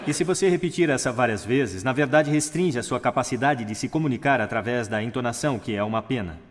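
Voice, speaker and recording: A man giving a stage talk on voice technique, demonstrating shifts in pitch, pace and volume. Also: fast, in a large hall, a little hiss or hum. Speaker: speaker on public speaking. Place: large hall on a stage.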